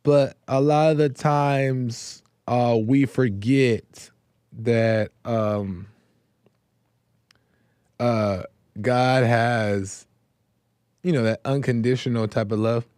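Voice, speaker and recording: Male host of a faith call-in show, mid pitch, slow unhurried delivery, voice going hoarse, dry close sound. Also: fairly even intonation, darkish tone, dry recording. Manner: slow, reflective, with many fillers and repeated phrases. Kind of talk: casual devotional talk.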